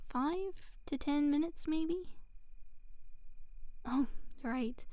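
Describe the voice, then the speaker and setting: A woman voicing a teasing but secretly gentle female demon in an intimate ASMR roleplay, with a soft, breathy, often whispered delivery. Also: fairly high pitch, no room sound.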